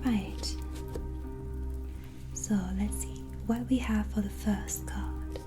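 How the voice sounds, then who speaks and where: A woman playing a gentle, reassuring white witch tarot reader in a breathy, soft-spoken ASMR whisper. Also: medium pitch, fairly even intonation, lightly acted. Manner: slow, pausing, soothing, reflective. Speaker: ASMR roleplayer giving a tarot reading. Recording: soft music behind close voice. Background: soft relaxing music.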